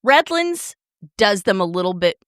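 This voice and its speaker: A woman in her fifties, co-hosting a podcast, telling stories in an animated way and acting out quotes. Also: mid-range voice, normal speed, clean tone, no echo, studio quality. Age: 50s. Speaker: podcast co-host. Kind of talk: casual chat, storytelling.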